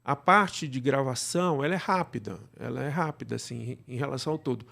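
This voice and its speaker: A man with a Brazilian accent answering interview questions conversationally, explaining in a halting way and often checking with the listener. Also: mid-range voice, vocal fry, a bit bright. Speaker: podcast guest, radio drama producer.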